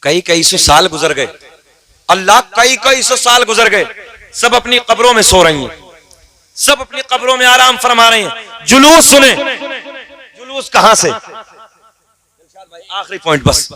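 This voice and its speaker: A man preaching a religious sermon, building to loud impassioned peaks and urging the crowd to answer him. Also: extremely high pitch, lively intonation, measured pace, long pauses.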